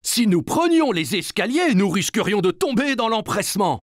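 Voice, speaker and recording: A man's voice: high-pitched, sing-song, normal speed, no room sound, studio quality. A man voicing a friendly, hearty firefighter in a French-dubbed children's cartoon, explaining things simply and encouragingly to kids. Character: friendly, jovial adult male firefighter showing children around.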